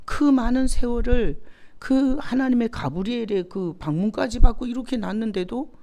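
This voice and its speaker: A middle-aged woman pastor teaching a Bible study in a lively, candid way. Her voice has a gravelly, creaky edge. She often turns to the group with questions and laughs as she talks. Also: mid-range voice.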